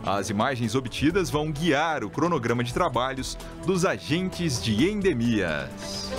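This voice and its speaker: A man from Brazil reading scripted local news as a radio presenter, in a steady announcer delivery. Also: fairly high pitch.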